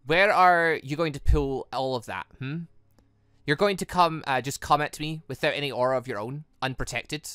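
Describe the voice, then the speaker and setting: A man's voice: on the high side, sharp tone, clean tone, no room sound, studio quality. A man voicing a menacing, calculating female villain from a visual novel, with a taunting, controlled delivery. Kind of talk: reading game dialogue aloud.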